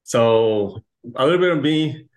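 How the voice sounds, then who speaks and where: A man from Chile, a guest speaking earnestly and a little haltingly. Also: mid-range voice, expressive, a little mellow, rough recording. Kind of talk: casual interview chat.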